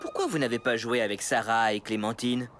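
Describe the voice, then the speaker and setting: A man's voice: mid-range voice, wildly swooping pitch, brisk, fairly bright tone, soft background music. A man playing a friendly, reasonable father in a children's cartoon, with an encouraging manner.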